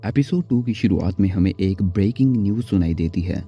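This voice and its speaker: A man's voice: sits low, fairly quick, dark tone, slightly rough, highs cut off. An Indian man narrating a horror series explainer in a scripted style as a voice-over. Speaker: video narrator. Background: background music.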